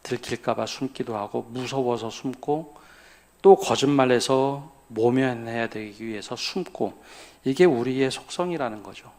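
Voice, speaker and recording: A man pastor preaching to his congregation at a midweek prayer service. His voice sits at an ordinary middle pitch, and he keeps throwing questions out to the listeners before answering them himself. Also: measured pace, a little mellow. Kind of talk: sermon.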